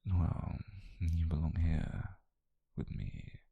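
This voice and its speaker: A British man playing an obsessive, possessive mafia boyfriend, calm and dangerous, in a slow, controlled, breathy half-whisper for an intimate ASMR roleplay. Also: a bass voice, no echo, phone-quality sound, full character voice. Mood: possessive tenderness. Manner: slow, controlled, menacingly tender murmur. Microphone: close microphone, dry.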